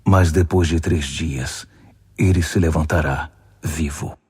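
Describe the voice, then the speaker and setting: Bible audiobook master, acted by a male reader: very low voice, calm authority, solemn and instructive. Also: takes it slowly, husky, dry recording, clean studio sound, full character voice.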